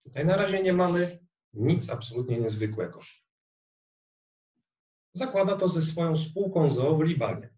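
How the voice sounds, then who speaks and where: A middle-aged man giving a recorded online lecture on tax law, explaining a worked example step by step in a measured way. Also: mid-range voice, a little mellow. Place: room indoors. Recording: roomy, distant webcam sound.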